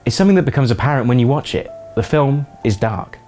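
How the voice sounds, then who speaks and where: A man's voice: medium pitch, expressive, fast, darkish tone, faint music behind. A man reading scripted narration as the narrator of a video essay.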